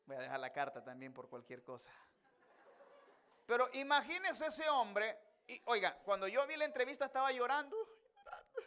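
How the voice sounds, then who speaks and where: A male pastor giving a sermon in a church, moving from chatty asides to loud, impassioned preaching. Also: extremely high pitch, sing-song, normal speed, clean tone.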